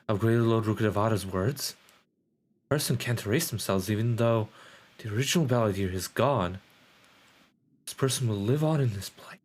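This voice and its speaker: A man giving casual live commentary as a game streamer, musing and thinking out loud as he goes. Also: mid-range voice, slightly rough.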